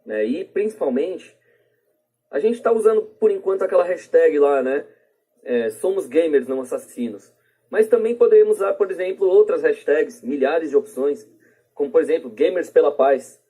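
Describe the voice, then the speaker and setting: Husky, mellow Brazilian man, slightly high. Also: lively intonation, normal speed. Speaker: podcast guest. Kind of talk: casual discussion.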